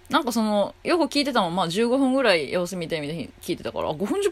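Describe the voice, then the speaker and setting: A woman with a Kansai accent and a fairly high voice, talking at a very fast pace with very wide pitch swings over noticeable background noise. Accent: Kansai Japanese. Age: 30s. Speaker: comedian. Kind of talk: casual solo talk. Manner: loud.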